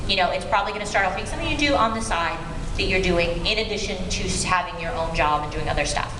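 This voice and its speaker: A woman speaking as a voice actor at an informal workshop, explaining things conversationally with rambling asides. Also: mid-range voice. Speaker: voice actor giving a panel talk. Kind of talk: informal workshop talk to an audience. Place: convention panel room with audience. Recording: echoey hall, clear background noise.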